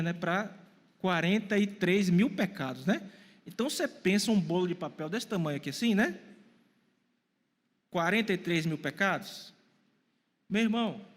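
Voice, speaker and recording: In a church hall, a male pastor in his 40s preaches a sermon with a high, animated voice that jumps around in pitch. He puts questions to the congregation and then answers them, his words followed by long reverberation.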